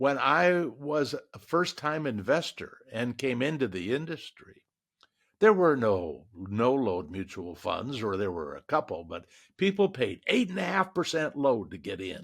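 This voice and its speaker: A man speaks at a fairly slow pace in a fairly high voice with vocal fry and very wide pitch swings. The recording is very clean, with a silent background. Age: 80s+. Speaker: investment author. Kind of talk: interview.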